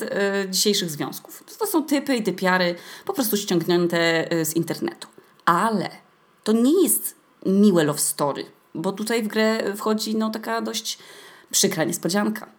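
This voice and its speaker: A young woman hosting a podcast, talking in a chatty, colloquial and playfully ironic way. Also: on the low side. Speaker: podcast host. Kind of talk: casual solo podcast monologue.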